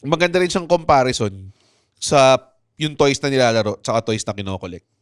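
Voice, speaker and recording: Animated man joking crudely. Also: mid-range voice, brisk, smooth. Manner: crude, joking, quotes movie lines. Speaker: podcast co-host. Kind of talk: casual comedic chat.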